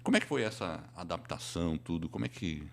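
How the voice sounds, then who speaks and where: Man, Brazilian accent, fairly low voice, animated intonation, casual podcast interviewer. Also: fast talker, gravelly.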